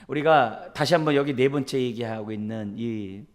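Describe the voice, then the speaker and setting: A middle-aged man, the pastor, preaching a sermon in a church and acting out quoted parents and children. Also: medium pitch. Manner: animated, acts out quoted parents and son; calls himself quick-tempered.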